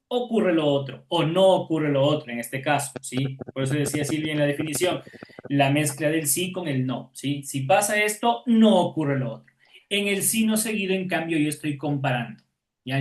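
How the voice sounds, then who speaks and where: A man's voice: fairly high pitch, roomy sound. A man teaching an online class, patiently explaining and checking in with his students after every point.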